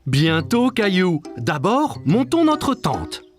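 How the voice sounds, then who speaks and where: A performer voicing a calm, caring father in a French-language children's cartoon, speaking in a reassuring, cautioning way. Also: mid-range voice, takes it slowly, soft background music.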